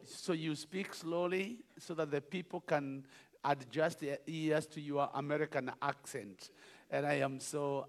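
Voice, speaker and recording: A man with a Kenyan accent, a bishop speaking to a church, jovial and teaching slowly with laughs. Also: medium pitch. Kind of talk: sermon with song.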